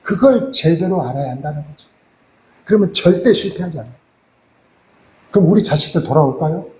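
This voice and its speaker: A man's voice: on the high side, expressive, brisk, a little mellow, a little hiss or hum. A male pastor giving a Sunday sermon, emphatic and full of rhetorical questions. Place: church. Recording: echoey church hall.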